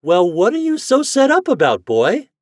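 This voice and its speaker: A man's voice: high-pitched, huge pitch swings, moderate pace, a little mellow, no echo, clean studio sound, voice pushed up, full character voice. A man voicing an old-fashioned, thrifty farm mother in a storybook, speaking in rustic country dialect. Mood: surprised, doubtful. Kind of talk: storybook character voice.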